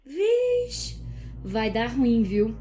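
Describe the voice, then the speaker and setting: A gossipy, playful storyteller acted by a woman with a Northeastern Brazilian accent. Her fairly high, very lively voice teases the listener in radio soap style, over clear music. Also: very slow, exaggerated voice. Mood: teasing, excited. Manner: teasing, colloquial. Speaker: narrator. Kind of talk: dramatised radio soap narration.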